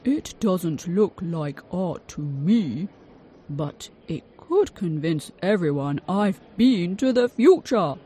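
A woman voicing an excitable Victorian male inventor who travels through time, speaking in loud, dramatic exclamations. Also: medium pitch, slow pace, slight background noise. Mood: exclaiming.

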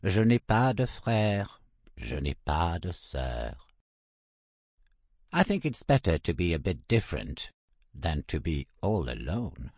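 A shy, lonely hermit crab from a children's storybook, speaking quietly and gently in a very deep, husky voice, as a male reader gives him his own tone. The sound is close and dry. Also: sing-song, slow, dry recording, heavily acted. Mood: gentle.

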